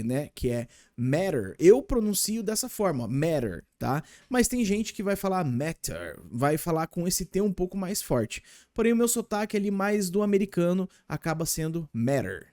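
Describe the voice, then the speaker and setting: A man's voice: high voice, darkish tone, no room sound, studio quality. A man with a Brazilian Portuguese accent teaching English in a casual, chatty and enthusiastic way, talking straight to his viewers. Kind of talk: casual online lesson.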